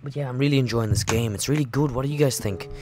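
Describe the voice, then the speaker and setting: A man's voice: medium pitch, fast talker, darkish tone, soft background music. A man hosting a game let's-play, reading aloud and commenting casually in a rambling, apologetic, self-interrupting way.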